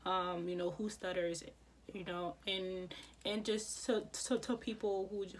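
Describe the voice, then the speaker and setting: A woman's voice: mid-range voice, flat delivery, measured pace, a little hiss or hum. A woman vlogger who stutters, repeating sounds and words, talking casually to camera with many fillers. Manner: many fillers, soft-spoken.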